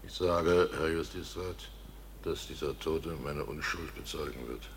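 A wily village innkeeper under suspicion in a radio play. The voice is deep, the manner ingratiating and hesitant as he accounts for himself, with slight noise behind. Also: a little slow. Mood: subdued, assured. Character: wily village innkeeper, a suspect protesting innocence. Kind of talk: German radio drama acting.

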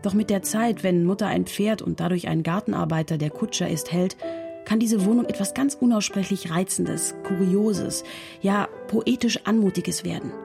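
An actress as a fond, witty woman of the nineteenth century, reading her letter aloud. Her voice has a creaky, gravelly edge and an eloquent, intimate delivery, with light music underneath. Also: mid-range voice, normal speed, lightly acted. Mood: wryly amused. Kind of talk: expressive dramatic letter reading.

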